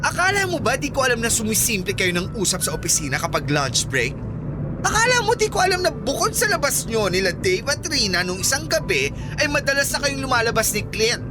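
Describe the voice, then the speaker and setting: A performer acting a jealous, sharp-tongued, wounded gay office worker in an accusing, sarcastic Filipino radio drama style. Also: high-pitched. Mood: accusing, bitter. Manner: accusing, sarcastic, emotionally escalating.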